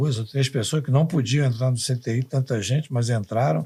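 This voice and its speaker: A man talks in a medium-pitched, somewhat breathy voice on a very clean recording with a silent background. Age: 80s+. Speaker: computer science professor. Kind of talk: podcast interview, storytelling.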